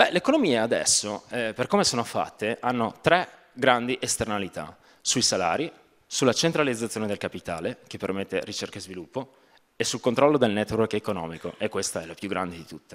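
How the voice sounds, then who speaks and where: A man talks at a fairly quick pace, his intonation lively and his loudness swinging widely. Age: 30s. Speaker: startup founder; presenter. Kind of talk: pitch presentation. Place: stage. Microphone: handheld.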